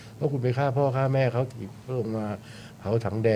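The man's voice has a dark, mellow tone and sits at a medium pitch. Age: 60s. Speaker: lawyer. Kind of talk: interview.

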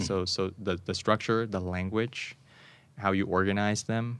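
At a moderate pace, a man with an American accent speaks in a fairly low, monotone, flat voice. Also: very clean recording, silent background. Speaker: YouTuber and public speaker. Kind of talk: interview. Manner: halting.

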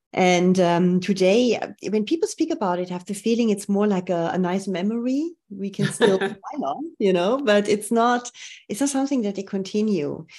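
Speaking in a German accent at a moderate pace, a woman with a medium pitch and a dark, mellow tone uses lively intonation and hardly any pauses against a quiet background. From Germany. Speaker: communication and leadership expert. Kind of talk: interview, conversational.

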